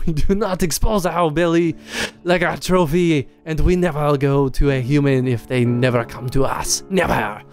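A man's voice: a little high, fairly even intonation, a little slow, hardly any pauses, soft background music. A man voicing a pompous male black cat philosopher in a put-on French accent. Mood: haughty. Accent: fake French accent.

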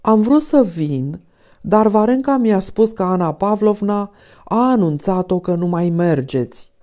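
A woman's voice: mid-range voice, voice pushed up, natural voice. A woman reading an audiobook voices an earnest, eager young noblewoman. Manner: earnest, animated.

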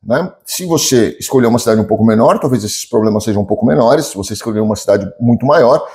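A man's voice: mid-range voice, lively intonation, fast, darkish tone. A man in his forties with a Brazilian accent, giving opinionated, conversational commentary to camera with emphatic repetition. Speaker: lawyer and business commentator. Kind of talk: informal explanatory commentary to camera. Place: home office or study with bookshelves, indoors.

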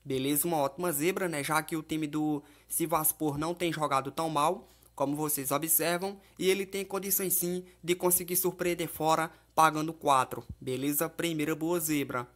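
A Brazilian man with a somewhat high-pitched voice hosts a voice-over of sports betting tips. His delivery is casual commentary, colloquial and familiar, aimed straight at his viewers. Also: steady tone, moderate pace. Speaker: sports betting tipster and host.

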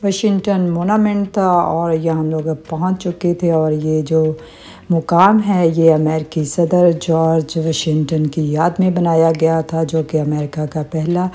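A middle-aged woman narrating her family travel vlog as a calm voice-over, with religious greetings and small hesitations. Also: sits low, measured pace, soft background music. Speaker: vlogger.

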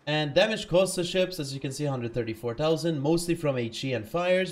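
A man's voice: mid-range voice, darkish tone. A man giving casual live commentary over his own gameplay, chatty and self-correcting, having just woken up. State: just woke up.

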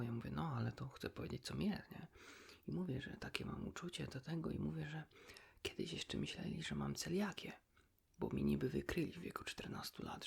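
A man's voice: a little high, gravelly, husky. A man whispering a casual ASMR chat, confiding in the listener in an informal storytelling way. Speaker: ASMR video host.

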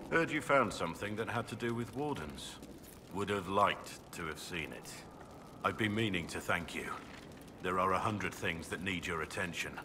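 An actor playing an earnest, gruff middle-aged warrior in a fantasy video game, speaking sincerely and formally. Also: male voice, deep voice, expressive, a little slow, big-room sound, noisy background. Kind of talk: video game dialogue acting.

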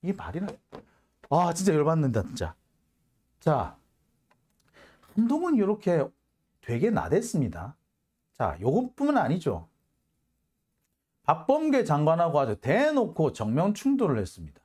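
A man's voice: a little high, wildly swooping pitch, moderate pace, long pauses, a little mellow, husky. A man hosting a political commentary show, delivering an angry, sarcastic monologue full of curses and sighs. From South Korea. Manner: heated, cursing, sarcastic, sighing.

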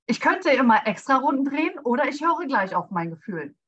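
A woman tells a personal story on a group video call in a chatty, cheerful way. Her voice is high and bright. The connection sounds dull and lo-fi. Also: big pitch swings, fairly quick, slightly rough. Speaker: participant. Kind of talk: casual chat on a video call.

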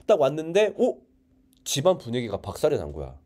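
Animated male storyteller with a mellow voice. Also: medium pitch, a little fast. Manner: animated, acts out scenes. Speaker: Bible lecturer. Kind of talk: dramatized storytelling.

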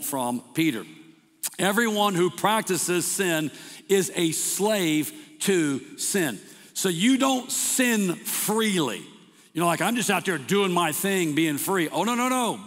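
A man preaching a sermon as pastor, emphatic, repeating words and slowing down to stress scripture. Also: a little high. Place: church sanctuary. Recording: long hall reverb.

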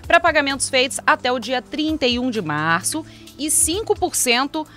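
A young woman presents the local radio news at a desk mic in a small foam-lined studio. Her voice is bright and a little high, and she reads from paper with friendly chatty asides. Faint music sits underneath. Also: expressive, moderate pace. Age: young adult. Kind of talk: reading city news bulletin.

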